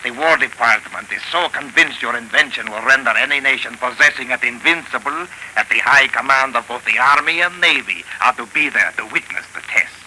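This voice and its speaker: A man's voice: mid-range voice, brisk, hardly any pauses, sharp tone, rough recording. An actor playing a deferential male henchman in a 1930s radio drama, asking questions. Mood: wary. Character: male henchman assistant, wary and eager. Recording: hissy old 1930s radio broadcast.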